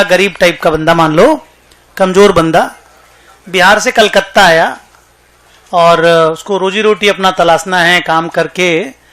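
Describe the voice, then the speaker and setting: Male teacher, high bright voice, chatty, dictates notes between jokes. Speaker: accountancy teacher. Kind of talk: classroom lecture with storytelling.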